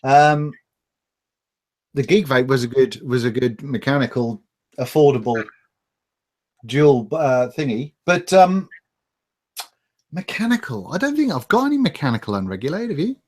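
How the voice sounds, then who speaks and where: A man's voice: mid-range voice, lively intonation, moderate pace, pauses often, darkish tone. A man with a British accent hosting a livestream in a chatty, casual, sweary way. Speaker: livestream host. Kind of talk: casual chat, reading viewer comments.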